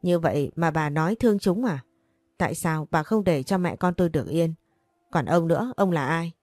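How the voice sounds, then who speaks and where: A woman's voice: low voice, moderate pace, darkish tone, no room sound, clean studio sound. Woman reading a desperate young mother. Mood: defiant. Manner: pleading, indignant.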